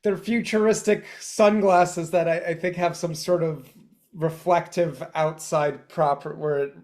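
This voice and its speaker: A man in his forties with a fairly high voice talks in a casual podcast chat. He restarts and repeats words often and jokes at his own expense. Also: fairly even intonation, a little mellow. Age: 40s. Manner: halting, repeats words, self-deprecating humor. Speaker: comedian guest.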